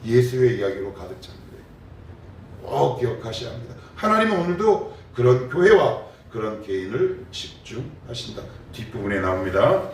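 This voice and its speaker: A middle-aged man preaches a morning sermon, throwing rhetorical questions at the pews and answering them with force. His voice sits at an ordinary pitch and carries a lot of church reverb, picked up from some distance away, with a faint hum of room noise underneath. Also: very animated, normal speed. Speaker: pastor. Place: church sanctuary. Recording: very echoey church recorded from a distance.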